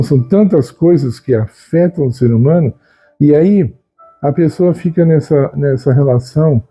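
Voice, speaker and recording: A man talks through a Christian teaching in a relaxed, chatty way, checking in with his listeners as he goes. His voice sits a little high for a man, yet sounds very dark and mellow, with a husky edge. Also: lo-fi sound. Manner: unhurried, conversational, frequent "né?" tags. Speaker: Christian video host. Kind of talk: reflective spoken teaching.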